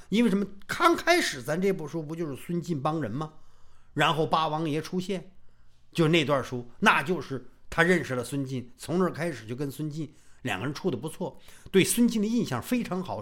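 Lively male storyteller, bright voice. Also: on the high side, fairly quick. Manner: lively, addresses the audience directly. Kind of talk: traditional Chinese storytelling performance.

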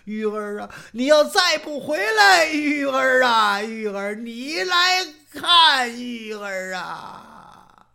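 A traditional storyteller voicing a scheming young man who wails in fake grief, with drawn-out sobbing cries. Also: sits high, lively intonation, gravelly, sharp tone, voice pushed up, full character voice. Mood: wailing.

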